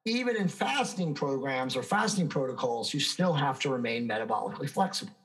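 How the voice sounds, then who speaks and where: A man's voice: medium pitch, lively intonation, a little fast, fairly bright tone, poor audio. A man in his fifties, a fitness expert guest answering interview questions in an emphatic, self-assured, lecturing way. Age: 50s.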